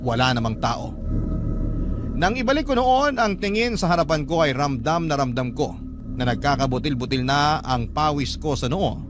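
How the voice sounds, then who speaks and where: A man narrating a first-person ghost story in an earnest, confessional way. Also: medium pitch. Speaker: narrator reading a listener's story. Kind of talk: scripted dramatic narration. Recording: music clearly underneath.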